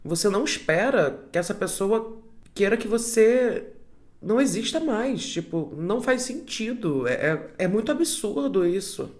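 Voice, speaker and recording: A man's voice: high-pitched, expressive, normal speed. A man hosting the show who reacts to the story and reflects on it earnestly, speaking straight to his viewers. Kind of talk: reflective commentary.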